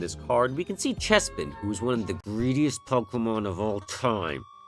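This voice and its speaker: A man speaks with music in the background. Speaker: Pokemon card art commentator. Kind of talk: video essay narration.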